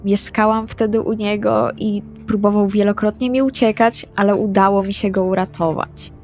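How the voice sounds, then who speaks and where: A woman's voice: medium pitch, fairly even intonation, moderate pace, darkish tone. Female RPG player, middle register, serious delivery of improvised character lines, faint music underneath. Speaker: tabletop role-playing player.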